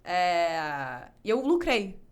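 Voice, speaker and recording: A woman's voice: lowish voice, drawn-out words. Candid Brazilian woman guest. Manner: candid, lively, self-deprecating. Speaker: podcast guest, poet. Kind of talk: casual interview chat.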